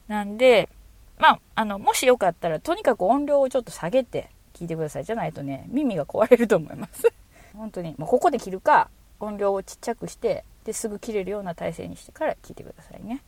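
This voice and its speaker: A woman with a Kansai accent hosting a casual solo podcast, chatty, giggling often and trailing off into soft asides. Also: medium pitch, lively intonation, fast talker, no room sound. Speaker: podcast host.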